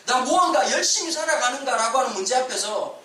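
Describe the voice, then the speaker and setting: Recorded from afar in a reverberant church hall with slight background noise, this man's sermon mixes lively storytelling with dramatized quotes. His pitch is extremely high and his pace brisk, and he preaches from the sanctuary.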